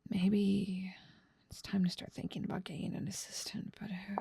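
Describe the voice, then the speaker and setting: A woman's voice: mid-range voice, level tone, moderate pace, creaky, heavy background noise. A woman playing a haughty, dominant demon lord who mocks and teases the listener in a scripted ASMR roleplay. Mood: weary. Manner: dominant, amused, mocking, theatrical. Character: haughty, teasing female demon lord ruling part of hell.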